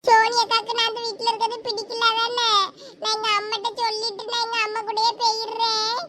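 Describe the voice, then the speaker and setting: Lady voicing a tiny sulky kid in a cartoon, super high and bright. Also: a little fast, slight background noise. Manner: pleading, sulky. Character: small whiny girl, touchy and quick to cry. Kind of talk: animated comedy voice acting.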